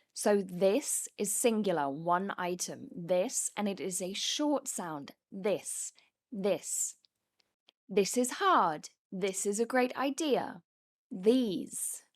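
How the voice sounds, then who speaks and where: British female pronunciation tutor, medium pitch, unhurried, careful articulation, repeats key words for learners. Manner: deliberate enunciation, repeating example words. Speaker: English pronunciation teacher. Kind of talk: instructional lesson to learners.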